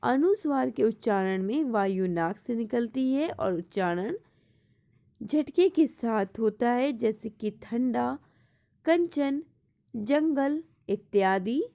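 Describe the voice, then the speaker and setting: A woman's voice: a little high, animated, slow, creaky, mellow. A woman teaching an exam-prep lesson, reading out each question and then explaining the answer, mixing English words into her Hindi.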